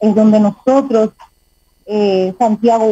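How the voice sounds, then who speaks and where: A woman speaks at a fairly high pitch and a fairly slow pace, with fairly even intonation. The sound is dry with no echo, and the background is quiet. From Paraguay. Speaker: church member sharing. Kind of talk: religious testimony sharing. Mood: earnest, calm. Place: home room. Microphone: video call.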